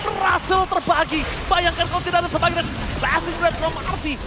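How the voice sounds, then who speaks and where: An Indonesian man giving excited esports play-by-play like a fighting game announcer, with dramatic shouted calls. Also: extremely high pitch, fairly quick. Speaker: esports commentator. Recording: loud music behind the voice. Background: loud music.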